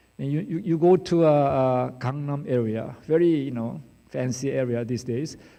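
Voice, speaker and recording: A man's fairly high voice, dark and mellow in tone, with audible room echo. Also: ordinary pitch variation, moderate pace. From South Korea. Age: 60s. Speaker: professor. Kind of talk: lecture. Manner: halting, many fillers.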